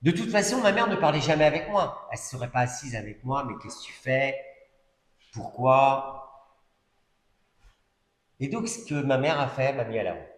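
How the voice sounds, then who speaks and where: A man's voice: medium pitch, expressive, normal speed, pauses often. A man preaching in an echoey church hall. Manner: conversational storytelling with many asides and fillers. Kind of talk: testimony sermon.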